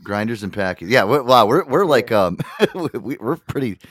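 A man's voice: medium pitch, lively intonation, normal speed, a bit bright, no room sound, studio quality. A man from Connecticut hosting a podcast, chatting casually and laughing often. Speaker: podcast host. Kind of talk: casual chat.

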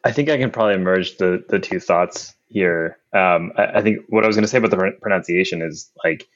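Male panelist, very deep voice, reflective, dry and dull sound. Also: no room sound. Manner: measured, reflective. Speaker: guest co-host. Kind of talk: casual chat.

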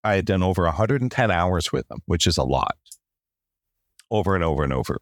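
A middle-aged man with a deep, low voice tells his story as a podcast guest. His delivery is animated and conversational, full of asides. The sound is close and dry, with no room around it. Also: a little fast, no echo. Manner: animated storyteller, often says "long story short" and "right?".

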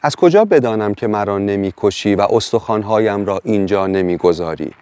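A man's voice: fairly low pitch, darkish tone, clear, resonant tone, no room sound, lightly acted. A man voicing a brave, stubborn young village girl in a storybook reading, speaking earnestly.

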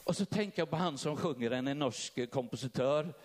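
A man preaching a sermon, telling a personal story with feeling and speaking straight to his listeners. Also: medium pitch. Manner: emotional storytelling, addresses listeners directly. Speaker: pastor.

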